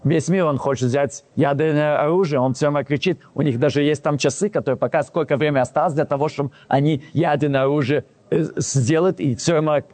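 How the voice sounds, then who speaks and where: A man's voice: a little high, fast, dry recording. A man telling a casual personal anecdote, acting out the dialogue and often restarting and correcting himself. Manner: animated retelling that acts out quoted dialogue; frequent restarts and self-corrections. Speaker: storyteller.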